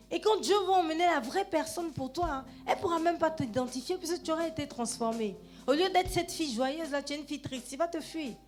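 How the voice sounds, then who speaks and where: High-voiced woman pastor preaching conversationally. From Gabon. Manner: conversational preaching, addresses listeners directly, frequent "hein" and "amen". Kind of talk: sermon. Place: church.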